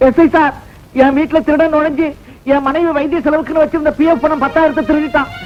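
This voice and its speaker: A man's voice: extremely high pitch, steady tone, fast talker. An actor playing a retired male schoolteacher, older, earnestly pleading with a police officer. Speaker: retired school teacher robbed of savings. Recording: dull old film soundtrack.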